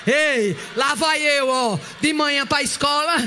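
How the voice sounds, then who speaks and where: Woman preacher, very bright and sharp voice, fervent shouted sermon. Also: sits high, unhurried, slight background noise. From Northeast Brazil. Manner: shouting bursts and tongues, fervent.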